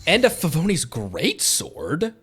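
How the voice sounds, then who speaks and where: A man streaming a game from home, chatting casually, excitable and rambling, laughing often as he talks. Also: fairly high pitch, slow, faint music behind. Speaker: VTuber streamer. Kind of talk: casual gameplay chat.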